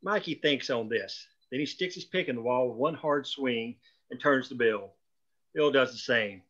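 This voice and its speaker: A man's voice: mid-range voice, moderate pace, fairly bright tone, dull audio. A man reading screenplay stage directions as scripted narration at a table read.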